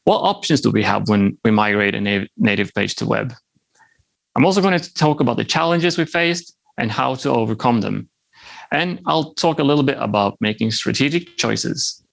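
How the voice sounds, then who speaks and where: Man, 30s, from Norway, Norwegian native, conference talk, friendly, gravelly. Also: medium pitch, normal speed. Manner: friendly, lightly humorous, occasional restarts. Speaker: software developer presenting. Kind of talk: conference presentation.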